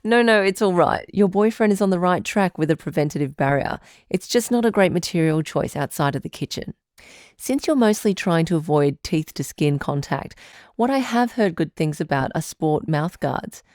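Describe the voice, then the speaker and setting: A woman's voice: lowish voice, expressive, normal speed, a little mellow, no room sound, studio quality, natural voice. A woman playing a patient, reassuring doctor who hosts a radio advice show, articulate and composed, in a scripted audio drama. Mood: reassuring, informative.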